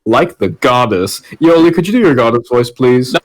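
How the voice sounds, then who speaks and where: A man's voice: medium pitch, expressive, moderate pace. A man hosting a podcast, giving casual commentary in a teasing, mock-dramatic way. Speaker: podcast host. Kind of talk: casual group chat, commentary.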